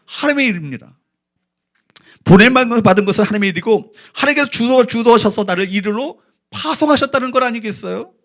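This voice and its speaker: Male senior pastor, middle-aged, high-pitched voice; sermon delivery in a church with call-and-response reading. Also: a bit bright. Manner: asks the congregation questions and leads them in reading aloud. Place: church sanctuary.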